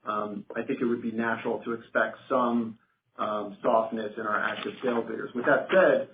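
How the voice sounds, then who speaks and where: A man's voice: medium pitch, fairly even intonation, moderate pace, slight background noise. Man on a roomy, phone-like line. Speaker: company finance executive on an earnings call. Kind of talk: formal scripted financial presentation. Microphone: conference phone call.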